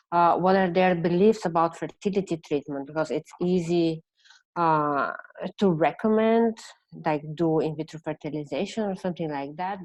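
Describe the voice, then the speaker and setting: A woman from Bulgaria with a Bulgarian accent presenting an online seminar, speaking haltingly as she searches for words in non-native English. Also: lowish voice, a little mellow, no room sound, rough recording. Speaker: presenter, counselor.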